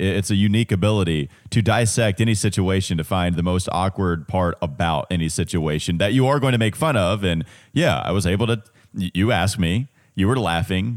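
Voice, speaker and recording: A man's voice: sits low, a little fast. A man from North Carolina with a Southern accent, co-hosting a casual sports podcast and rambling with many restarts. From Catawba County, North Carolina. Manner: rambling, self-interrupting, chuckling.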